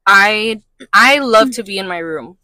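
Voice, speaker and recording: Bright-voiced woman in her late twenties. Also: medium pitch, a little slow. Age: 20s. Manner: relaxed, mixes in Spanish phrases. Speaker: podcast co-host. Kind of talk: casual chat.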